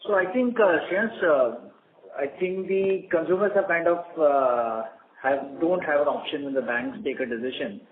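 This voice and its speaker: A man speaking as a company executive, answering questions on an earnings call in a halting, hesitant way. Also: fairly high pitch, phone-quality sound. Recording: echoey, noisy, band-limited conference line.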